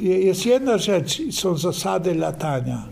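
Audible room echo and noticeable background noise around a man's voice. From Eastern Borderlands of prewar Poland (Trembowla, now Ukraine). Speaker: WWII veteran, bomber aircrew. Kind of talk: oral history interview. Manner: halting, with frequent repetitions and fillers.

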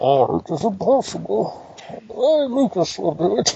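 A man's put-on character voice, pitched high, with very wide pitch swings at a moderate pace. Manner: villainous, dramatic.

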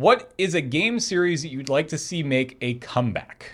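The speaker has a Canadian accent. The recording is very clean, with a silent background. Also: man. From Victoria, British Columbia, Canada. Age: 30s. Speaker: web video host. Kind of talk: casual chat.

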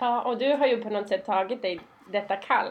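With a non-native accent, a woman talks using ordinary pitch variation. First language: not Swedish (speaking Swedish). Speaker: journalist and journalism teacher. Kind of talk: casual chat.

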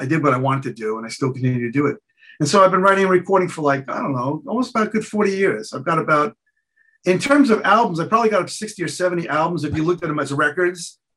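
A man with an American accent speaks very fast in a fairly high pitch with lively intonation. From Long Island, New York. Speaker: musician and recording engineer. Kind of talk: interview.

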